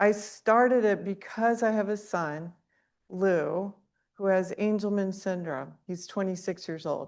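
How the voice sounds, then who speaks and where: Speaking at a fairly slow pace against a quiet background, a woman has a normal speaking voice at a medium pitch. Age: 60s. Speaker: patient advocacy leader and neuroscientist. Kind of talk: panel talk.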